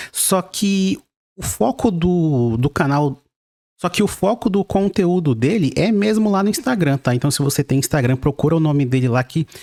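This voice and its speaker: A man with a dark, mellow tone and very wide pitch swings talks at a moderate pace, recorded very cleanly in a dry, close sound with no echo and a silent background. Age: middle-aged. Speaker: YouTuber. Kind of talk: video commentary.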